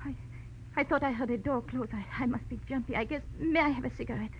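A woman's voice: sits high, quick pace, slight background noise, lightly acted. A woman playing a frightened, secretive woman in a 1940s radio drama, pleading in a faltering, melodramatic way. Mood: nervous. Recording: muffled old radio recording.

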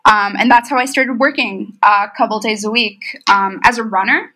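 Woman, 30s, from Romania, tour manager guest, bright tone, storytelling. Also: on the high side, normal speed, rough recording. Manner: storytelling, quotes others with lively asides. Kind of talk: casual interview chat. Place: remote call from home.

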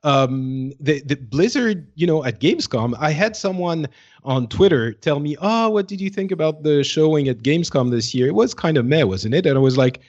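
A man's voice: fairly high pitch, lively intonation, moderate pace, a little mellow, dull audio. A man chatting casually as a co-host on a gaming podcast.

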